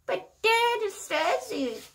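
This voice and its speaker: A woman putting on a naughty little boy from a storybook, whining and squealing in a very high, bouncing voice. He draws his words out slowly and sounds bright and sharp. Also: sing-song, heavily acted. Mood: whiny. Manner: high squealing childish wails.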